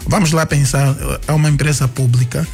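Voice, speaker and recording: A man, a radio guest answering questions thoughtfully with many pauses, fillers and restarts. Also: on the high side, steady tone, a little mellow, faint music behind. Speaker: guest writer.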